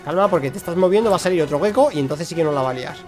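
Young male streamer, high and animated, excitable running play-by-play. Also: racing, faint music behind. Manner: excitable, talks to himself and the creatures. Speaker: gaming streamer. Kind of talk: live gameplay commentary.

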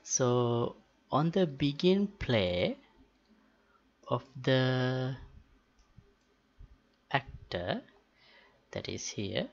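A man talking through a software tutorial unscripted, thinking aloud in a halting way with pauses mid-sentence. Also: medium pitch, very animated. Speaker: tutorial host. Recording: dull, muffled lo-fi voice-over. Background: keyboard typing and mouse clicks.

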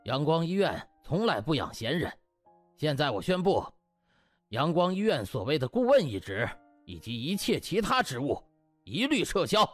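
A man's voice: fairly high pitch, sing-song, moderate pace, dry recording, faint music behind. A man voicing a smug, pompous male hospital boss who speechifies officially with false kindliness, in an audiobook. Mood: cold, commanding.

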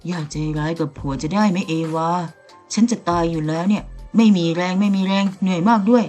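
A woman voicing a petulant, sly young man who sulks and teases, in her lowish voice over faint music. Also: brisk, dark tone, close to an everyday voice. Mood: teasing. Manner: sulky, sarcastic and teasing.

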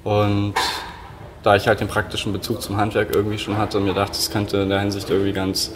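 Flat-voiced young man from Munich. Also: fairly low pitch, brisk, noisy background. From Munich, Germany. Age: 20s. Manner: loose, filler-heavy, many "irgendwie". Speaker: stage design student. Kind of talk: casual interview talk. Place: indoor studio room.

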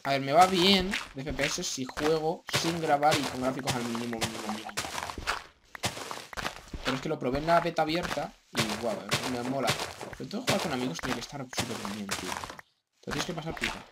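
A young man from chats in a loose, rambling way as he plays at home, his voice slightly hoarse from a sore throat. He keeps clearing his throat, and the desk mic recording sits over a loud, steady background hiss. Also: medium pitch, a little fast. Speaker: gaming YouTuber. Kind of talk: casual gameplay commentary.

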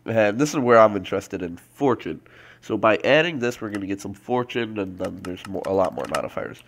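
A young man with a low-ish voice and a thick, stuffy nose from a cold. He chats loosely over his gameplay, full of fillers and self-corrections, speaking into a desk mic at his computer. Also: lively intonation, a little fast, vocal fry. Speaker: let's play host. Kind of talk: casual gameplay commentary.

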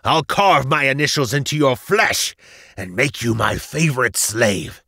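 A man's voice: mid-range voice, animated, a little slow, sharp tone, no room sound, clean studio sound, voice pushed up, full character voice. A man voicing a wrathful male necromancer in a fantasy audiobook, bellowing venomous, defiant threats. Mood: defiant rage. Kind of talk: dramatic fantasy audiobook character.

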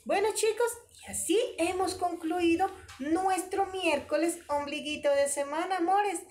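A woman's voice: extremely high pitch, measured pace, a little mellow. A woman teaching an online preschool lesson, talking in an exaggerated, sing-song, encouraging way.

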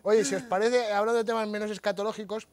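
A man hosting a casual TV chat, jokey and quick to laugh. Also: sits high, fairly even intonation, no echo. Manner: chatty, laughs easily, jokey. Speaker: TV show host.

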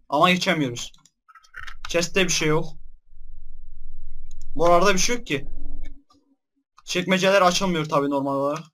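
Young male gamer, high bright voice, scared yelps between jokes, horror let's play. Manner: jumpy, shouts in fright then jokes. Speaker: gaming YouTuber.

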